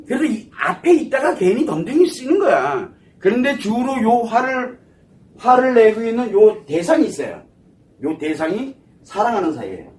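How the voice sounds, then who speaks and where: A man's voice: very high voice, big pitch swings, normal speed, darkish tone. A man giving a psychology lecture, asking the audience questions and answering them himself. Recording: voice somewhat far from the mic.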